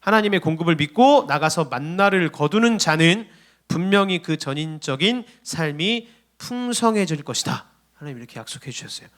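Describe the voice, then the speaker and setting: A young adult man, a junior pastor, giving a lively storytelling sermon to young adults in church. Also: a little high, normal speed. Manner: lively, storytelling preacher addressing youth. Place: church sanctuary.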